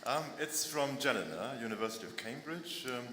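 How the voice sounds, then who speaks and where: A man relaying an online audience question to a panel in a brisk, businesslike way. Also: mid-range voice, animated. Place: conference hall. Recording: echoey hall with audible room noise.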